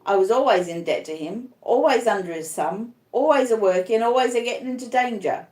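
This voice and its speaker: An old convict read by a woman recounts a criminal past in confiding, plain-spoken storybook narration. The speech is rustic and uneducated, and the room echoes clearly around the voice. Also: on the high side, a little fast, darkish tone, lightly acted. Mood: grim, reflective. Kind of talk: audiobook first-person narration.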